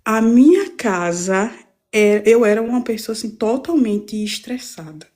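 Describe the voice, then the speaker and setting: Woman, mellow warm voice, fervent rambling testimony, restarts a lot, live stream from home. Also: on the high side, animated, measured pace. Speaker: guest giving a church testimony.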